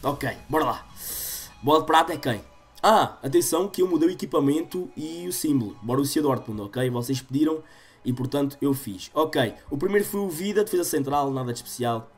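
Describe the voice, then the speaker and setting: A man in his twenties with a European Portuguese accent and a slightly stuffy nose, doing excitable gaming commentary for his viewers. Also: on the high side, a little fast. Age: 20s. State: slightly congested from a cold. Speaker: gaming YouTuber. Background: game music.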